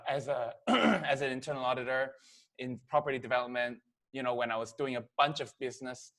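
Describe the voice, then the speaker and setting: Speaking to camera, this man gives a relaxed, conversational business presentation packed with fillers and repeated "okay?" check-ins. He is in his thirties, from Korea with Korean as his first language, and has a slightly high, fairly bright voice.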